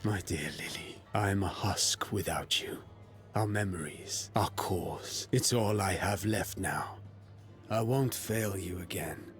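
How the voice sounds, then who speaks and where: An actor playing an earnest, driven, brooding mage in a fantasy game, speaking seriously and formally. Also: male voice, low-pitched, takes it slowly, faint music behind. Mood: grieving, resolute.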